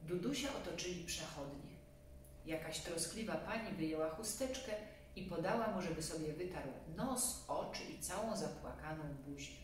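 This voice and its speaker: A woman reads a children's story in a slightly low voice. She is some way from the microphone in a very echoey room at home, with a faint hum. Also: expressive, moderate pace, recorded from a distance. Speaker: storybook reader. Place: small room at home, seated on a sofa. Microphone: distant camera microphone.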